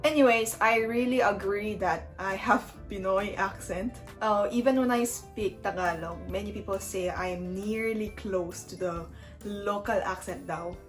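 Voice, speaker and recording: Young woman vlogger, filipino english accent, chatty, slips tagalog words in, soft music under. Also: medium pitch, unhurried. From Korea. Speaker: content creator. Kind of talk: casual talk to camera.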